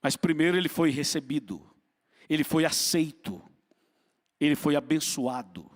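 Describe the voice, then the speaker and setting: A man preaches with a high, ringing voice, driving his points home through repetition and direct questions to the congregation. His words trail off into the long echo of a church hall. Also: lively intonation, normal speed. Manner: fervent, repetitive, asks the congregation for responses. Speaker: pastor. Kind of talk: sermon.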